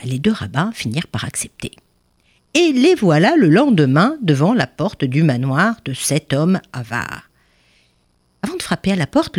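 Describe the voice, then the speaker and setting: A woman reading a folk tale aloud, expressive, with hesitant fillers here and there. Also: low-pitched, no room sound, clean studio sound. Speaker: storyteller.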